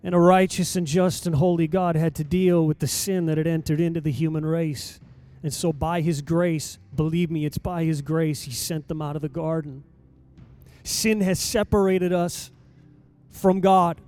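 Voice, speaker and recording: A pastor preaching a sermon in a church, with emphatic delivery and dramatic pauses. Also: male voice, on the high side, steady tone, a little mellow. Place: church sanctuary.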